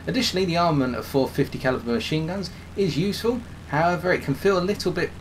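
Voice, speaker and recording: A man commentating over his own game footage, slightly hoarse as he is losing his voice, explaining tactics with frequent restarts. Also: mid-range voice, a bit bright, a little hiss or hum, poor audio. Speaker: gameplay commentator.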